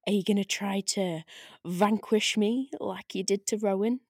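A woman playing a taunting disembodied spirit in an audio drama table read, with a drawn-out, needling delivery. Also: mid-range voice, steady tone, darkish tone, husky, no echo, clean studio sound. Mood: mocking, teasing. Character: taunting disembodied arcane spirit, silky and provoking.

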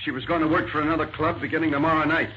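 An actor playing a brisk, blunt American police sergeant in 1940s radio crime drama. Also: male voice, fairly high pitch, level tone, close to an everyday voice. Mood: brisk, suspicious. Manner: blunt, slangy questioning. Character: gruff, brisk police sergeant on a murder case. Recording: dull, noisy 1940s radio recording.

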